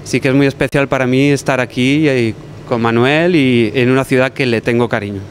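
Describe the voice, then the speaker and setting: A young man, a chef, chatting quickly and casually in an interview in a restaurant kitchen, speaking into a handheld mic. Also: medium pitch, a little hiss or hum. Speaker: guest chef. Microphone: handheld reporter mic.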